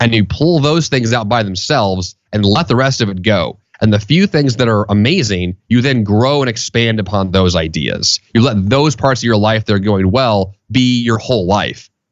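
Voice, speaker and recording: A man speaks in a normal speaking voice at a medium pitch, moving at a moderate pace with hardly any pauses. His loudness stays very even, and his pitch varies in an ordinary way. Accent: American. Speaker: author and productivity guest. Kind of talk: podcast interview. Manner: conversational, casual.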